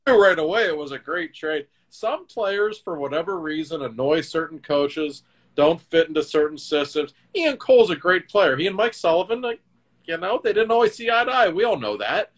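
A middle-aged man in a casual hockey chat, an animated storyteller with emphatic swings in his voice. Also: on the high side, moderate pace.

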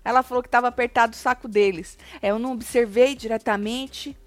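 Blunt gossipy woman, fairly high voice. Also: steady tone, fairly quick, faint music behind. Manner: gossipy and blunt, swears freely, addresses viewers directly. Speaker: reality show commentator reading viewer comments. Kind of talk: casual live chat.

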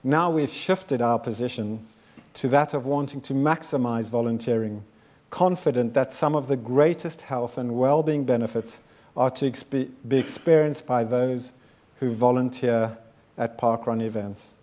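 Man, 50s, from South Africa; founder's keynote, measured and sincere, middle-pitched. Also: dark tone. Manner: measured, earnest, builds with repeated phrases. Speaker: founder giving a talk. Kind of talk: prepared speech to an audience.

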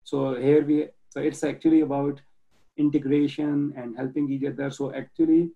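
A man from Pakistan talks earnestly over a video call, his voice gravelly and mellow, a little higher than most men's. He pauses and restarts often as he explains. The call audio sounds dull and lo-fi. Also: flat delivery. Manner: earnest, halting with many restarts and fillers. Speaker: nonprofit organizer, guest. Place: home in Germany.

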